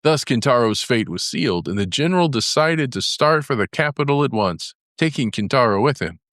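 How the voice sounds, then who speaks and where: A man's voice: medium pitch, fairly bright tone, no echo, studio quality. A man narrating a scripted fairy tale for young listeners as a storyteller.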